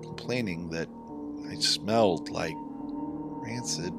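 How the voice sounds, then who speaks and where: Low-voiced man narrating horror over music. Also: slow pace, gravelly. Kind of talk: scripted first-person horror narration.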